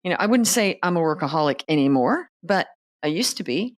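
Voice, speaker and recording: A woman's voice: on the low side, lively intonation, brisk. A woman hosting an interview podcast, chatty and affirming, with many fillers. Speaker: podcast host. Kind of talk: conversational interview.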